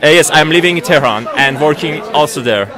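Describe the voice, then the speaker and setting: A man with a Persian accent, a native Persian speaker, answering slowly with many pauses. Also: on the high side, animated. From Iran. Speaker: interview guest. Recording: outdoor recording with loud crowd.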